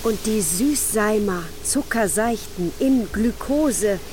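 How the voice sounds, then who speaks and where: An actress playing an accusing chorus voice of hell, declaiming deliberately in a poetic radio play. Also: female voice, mid-range voice, expressive, noisy background.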